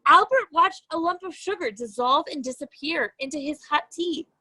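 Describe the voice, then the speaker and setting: A woman reading a children's storybook aloud as an educator, with expressive, deliberate phrasing and emphasis on key words. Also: sits high, rough recording.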